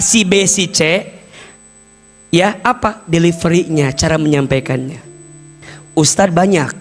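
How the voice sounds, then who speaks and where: High-voiced Sundanese-accented male preacher. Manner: animated, acts out everyday dialogues, bursts into loud emphatic lines. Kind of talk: lively sermon to a mostly female audience.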